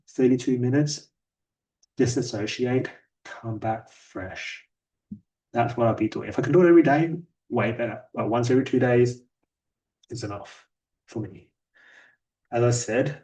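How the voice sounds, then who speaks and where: A man giving a daily sales progress report in a flat, somewhat robotic, monotone delivery. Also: medium pitch, moderate pace. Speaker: sales rep vlogger. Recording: voice a bit distant from mic.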